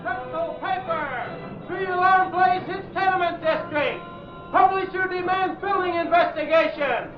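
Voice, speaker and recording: Shouting young newsboy. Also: male voice, very high-pitched. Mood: hawking. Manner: drawn-out shouted calls. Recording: lo-fi 1930s radio recording with music.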